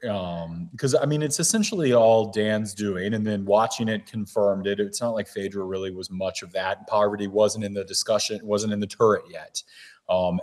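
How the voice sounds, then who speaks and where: A man's voice: lowish voice, a little mellow. A man who is a guest on a podcast, talking bluntly and animatedly in casual chat and sometimes mimicking other people.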